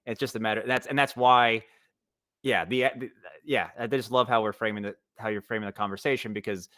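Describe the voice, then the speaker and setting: A man's voice: fairly low pitch, pushed and bright, no room sound, clean studio sound. A man chatting as a panelist, restarting his thoughts over and over as he makes a point. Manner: halting, restarts thoughts repeatedly. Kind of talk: casual panel discussion.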